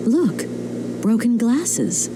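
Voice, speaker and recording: A woman voicing a determined young female lawyer who speaks in a calm, dry, measured way. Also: a little high. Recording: game audio with steady noise behind.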